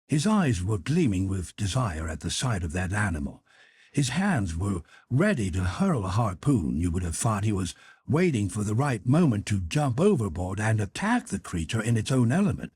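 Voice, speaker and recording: A male audiobook narrator reading a classic novel. His voice is lowish and very husky, with a slow pace and expressive delivery. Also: dry recording, studio quality.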